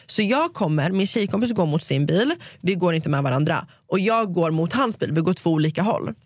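A woman's voice: on the low side, animated, dry recording, clean studio sound. A young woman chatting casually on a podcast, retelling a story through lots of quoted dialogue and slipping English phrases into her Swedish.

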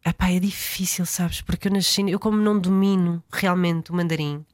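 A woman's voice: fairly low pitch, steady tone, fairly quick. A young woman with a European Portuguese accent, an actress being interviewed, speaking reflectively with hesitations and frequent laughs. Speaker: guest, actress. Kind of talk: casual interview chat.

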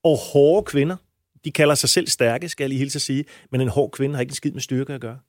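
A man's voice: mid-range voice, steady tone, a little mellow, no echo, clean studio sound. A man talking as a coach in an interview, blunt and emphatic, with frequent crude language. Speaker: men's coach. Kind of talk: interview answers.

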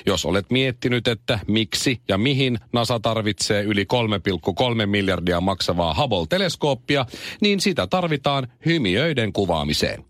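A man in his thirties hosting a morning radio show. He reads the news and tells animated stories. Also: on the low side, no room sound, clean studio sound. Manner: animated storyteller.

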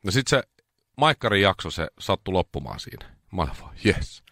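A male radio host with a low voice that swoops up and down as he tells his stories. He chats casually and animatedly in a dry, close studio sound. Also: creaky, no echo. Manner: animated storytelling, jumps into high voices when quoting.

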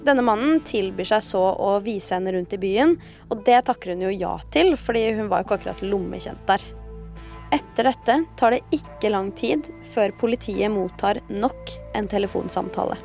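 A woman's voice: medium pitch, creaky, darkish tone, soft background music. A woman host telling a true-crime story in a conversational, semi-scripted narration. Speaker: podcast host.

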